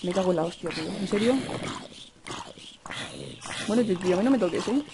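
Fast-talking young Spaniard gaming. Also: male voice, high-pitched, animated, noisy background. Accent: Spain Spanish. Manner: fast-talking, chatty, cursing and shouting at game mobs. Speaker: gaming youtuber. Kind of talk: Minecraft gameplay commentary.

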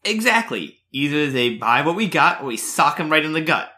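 A man's voice: fairly high pitch, sing-song, moderate pace, pushed and bright. An actor playing a dim, brash young man who serves as hired muscle, blunt and cheerfully tough.

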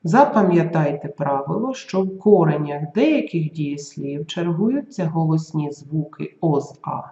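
A teacher explaining a grammar rule, with an animated, swinging pitch. Example words are stretched out slowly to show where the stress falls. The recording sounds roomy and a little dull, like a lo-fi classroom video. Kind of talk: school video lesson.

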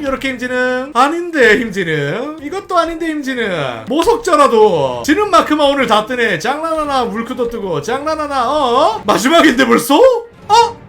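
A gaming channel host giving casual commentary as they play, excitable, laughing often, pleading with the game and talking straight to viewers. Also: mid-range voice. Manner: talks directly to viewers.

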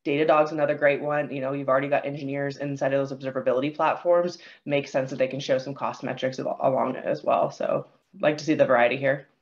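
A woman's voice: extremely low pitch, steady tone, fast talker, lo-fi sound. A woman speaking as a panelist over a video call, upbeat and agreeable, with frequent "you know" fillers. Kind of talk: webinar panel discussion.

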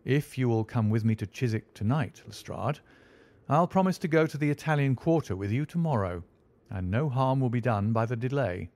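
A man reading aloud and voicing a calm, clever detective who speaks in a measured, confident way. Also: medium pitch, no room sound, close to an everyday voice. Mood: deliberate. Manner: measured, deliberate, composed.

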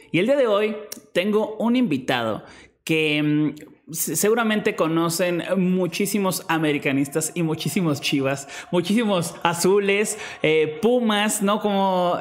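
A man's voice: on the high side, animated, measured pace. A man, hosting a casual podcast interview at a desk mic in a small studio. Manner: chatty, laughs easily. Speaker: podcast host.

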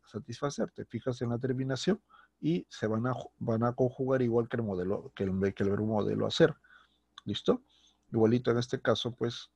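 A man's voice: fairly low pitch, vocal fry, a little mellow, husky, no room sound. A male teacher giving a grammar lesson with a Peruvian Spanish accent, patient and repetitive, often checking in with his students. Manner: patient, repeats words and checks with "¿ok?" and "¿listo?".

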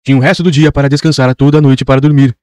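Man doing a worn out lamplighter guy, resigned, fast dry audiobook reading. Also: mid-range voice, little pitch movement, darkish tone, smooth, no room sound, lightly acted. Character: weary adult man lamplighter, dutiful and tired.

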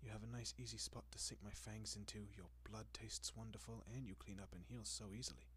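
A man playing a doting, possessive centuries-old vampire in an intimate roleplay audio, speaking in a genteel, coaxing manner with lingering pauses. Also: on the low side, steady tone, a bit bright, breathy edge. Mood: doting, pleased.

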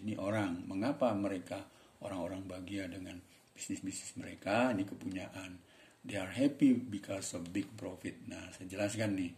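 A man teaching English in a casual lesson. He reads example sentences slowly, explains them with chatty fillers, and acts out short dialogue parts in a raised voice. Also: low-pitched, darkish tone.

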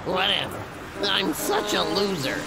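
A man's voice: sits high, lively intonation, unhurried, vocal fry, heavily acted, poor audio. A man voicing a scheming, luckless logger with whiny, theatrical muttering and outbursts in a cartoon. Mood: grumbling, plotting. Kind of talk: exaggerated cartoon voice acting. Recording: loud music behind.

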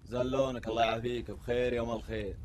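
A man's voice: medium pitch, flat delivery, quick pace, darkish tone. A man with a Qatari accent, a team captain in a desert camp, answering the host with courteous blessings. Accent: Qatari Arabic.

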